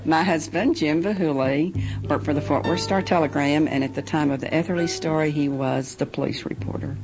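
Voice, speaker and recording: A woman's voice: deep voice, moderate pace. An older American woman recollecting in an interview. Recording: dull interview tape. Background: clear music.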